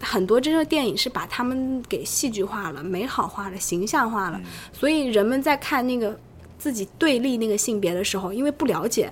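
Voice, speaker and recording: Using an unremarkable speaking voice, a woman with a fairly high pitch talks at a fairly quick pace with lively intonation. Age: young. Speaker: film podcast co-host. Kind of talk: casual chat.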